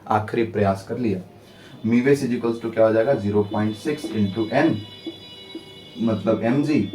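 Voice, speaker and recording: A man teaches physics to exam students in a lively, theatrical way, acting out friction as if it were begging and often asking the class whether they follow. He sounds a bit distant from the mic, with a roomy echo and a faint hum behind him. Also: fairly low pitch. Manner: dramatic, personifies friction pleading; asks students rhetorical checks. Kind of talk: exam-prep lecture.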